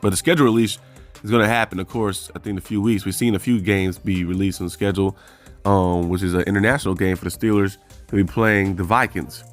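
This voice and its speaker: Low-voiced man rambling about his team. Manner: rambling, thinks aloud, self-correcting. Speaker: fan channel host. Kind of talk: casual solo sports commentary.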